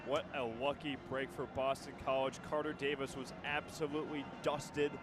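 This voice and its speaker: A man's voice: mid-range voice, level tone, moderate pace. A man giving live color commentary on a football radio broadcast. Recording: noisy live stadium broadcast. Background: clear stadium noise.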